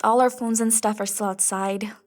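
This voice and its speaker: A woman's voice: mid-range voice, fairly even intonation, moderate pace, natural voice. A woman playing a practical, wry young female adventurer in an audio comedy drama. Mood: concerned. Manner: wry, no-nonsense. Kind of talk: audio fiction comedy acting.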